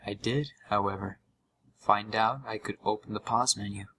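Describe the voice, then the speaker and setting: A man playing a haunted gamer, narrating a scripted horror story with deliberate, dramatic pauses full of dread. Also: on the low side, pushed and bright, slight background noise. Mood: uneasy dread.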